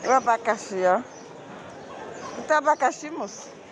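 A woman's voice: a little high, expressive, moderate pace. A woman with a Bahian Brazilian accent vlogging casually on a handheld phone, pointing things out in short, repeated exclamations. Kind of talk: casual handheld market tour. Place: street and large open-sided covered market. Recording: noisy outdoor street and market ambience.

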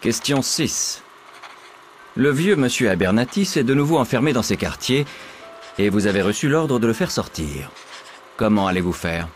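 A deadpan middle-aged schoolteacher from a video game, voiced by a man, reading exam questions with dry, matter-of-fact humor. His voice sits at an ordinary pitch for a man, with a faint hiss of noise behind it. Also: moderate pace, lightly acted. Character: middle-aged male vault teacher giving an exam. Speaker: exam proctor. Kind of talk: game character dialogue.

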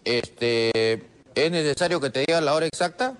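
A man's voice: a little high, moderate pace. A man in a comic phone sketch, easygoing and gullible, soothing his friend.

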